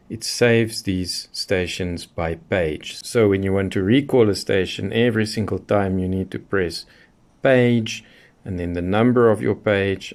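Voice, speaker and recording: Low-voiced man giving a tutorial. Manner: explanatory, step-by-step. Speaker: radio reviewer demonstrating features. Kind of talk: casual hands-on tutorial narration.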